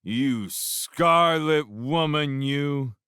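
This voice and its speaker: A man's voice: on the high side, drawn-out words, clear, resonant tone, no room sound, clean studio sound, voice pushed up, full character voice. A man voicing a soaked, very drunk fisherman who scolds people with theatrical mock outrage. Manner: slurred, theatrical, shouting.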